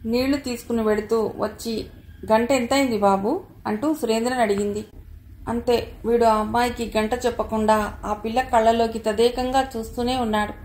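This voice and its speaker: A woman's voice: fairly high pitch, steady tone, normal speed, a little mellow. Woman narrating a story in an echoey room. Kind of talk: scripted audio story narration. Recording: roomy echo, faint background noise.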